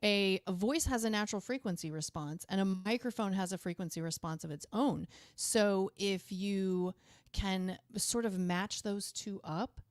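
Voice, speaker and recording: A middle-aged woman with a lower, direct voice, explaining casually as a guest in a small studio on a boom-arm mic. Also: unhurried, no room sound. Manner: explains plainly, with frequent fillers like "like". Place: small studio room full of gear. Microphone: studio mic on boom arm, headphones on.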